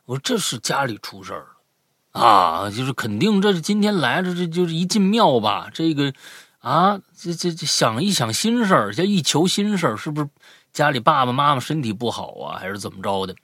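A man's voice: on the high side, sing-song, brisk, sharp tone, dry recording, studio quality. A man casually telling a story as a podcast co-host, in a loose, rambling way with many repeats.

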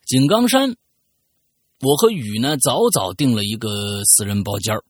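A man hosting a chat show and reading listeners' stories aloud, in a very expressive way. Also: lowish voice, moderate pace, husky, dry recording, clean studio sound. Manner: very expressive, shifting voices. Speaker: podcast host reading listener messages. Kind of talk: casual chat and story reading.

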